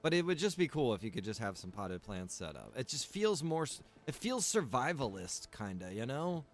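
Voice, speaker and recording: A man's voice: medium pitch, very animated, moderate pace. A man streaming a game, chatting casually and rambling as he thinks aloud. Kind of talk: casual livestream gameplay chat.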